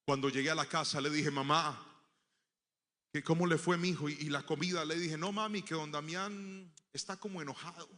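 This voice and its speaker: A man's voice: fairly high pitch, fairly even intonation, normal speed, in a large hall. A man preaching a sermon, telling a personal story and acting out the voices of the people in it. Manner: storytelling, acting out quoted voices, swelling to loud proclamation.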